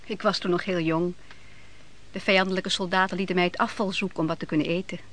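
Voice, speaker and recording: A woman's voice: lowish voice, steady tone, fast, a bit bright, close to an everyday voice. An actress playing an outspoken, strong-willed tribesman's wife in a radio play, direct and earnest. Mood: polite, composed.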